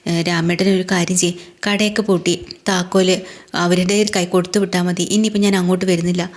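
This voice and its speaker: A weary, grieving middle-aged family man from a TV serial recap, as a woman narrator reads his lines. He talks in a subdued, plain way, in a lowish voice. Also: flat delivery, quick pace, lightly acted.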